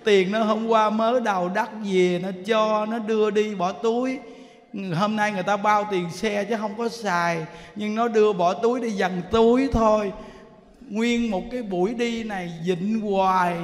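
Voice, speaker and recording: A man's voice: very high-pitched, fairly quick, big-room sound. A monk putting on a fretful, timid old woman. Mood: lamenting. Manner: lamenting, pleading.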